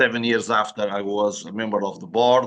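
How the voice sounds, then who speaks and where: This is a man with a Portuguese accent. His pitch is medium. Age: 60s. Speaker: personal development coach, company founder. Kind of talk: interview.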